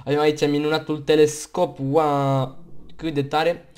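A man's voice: on the high side, little pitch movement, darkish tone, clean tone. Chatty young man with hiccups. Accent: Romanian. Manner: chatty, rambling, talks in bursts between hiccups. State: hiccuping and tired. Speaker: gaming YouTuber. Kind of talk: casual gameplay commentary. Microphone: headset mic.

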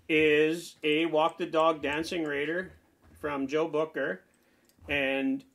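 A man's voice: on the high side, vocal fry, bright, forceful tone. A man in his forties hosting a fishing channel, giving a casual, rambling, enthusiastic walkthrough of his lure collection in a small indoor room, close to a handheld camera. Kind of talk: casual show-and-tell walkthrough. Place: small indoor man cave packed with lures.

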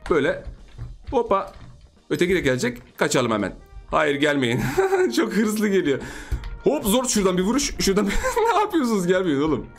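A man's voice: sits high, huge pitch swings, a little fast, faint music behind. A young man giving playful, chatty commentary over his own gameplay, repeating phrases and laughing often. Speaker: gaming YouTuber.

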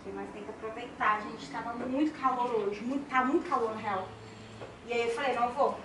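A woman's voice: a little high, fairly even intonation, fairly quick, noisy background. Young Brazilian woman vlogging while cleaning. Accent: Brazilian Portuguese, Minas Gerais. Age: 20s. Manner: chatty, talks to viewers while cleaning. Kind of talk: casual cleaning vlog chat. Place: apartment kitchen and terrace, indoors.

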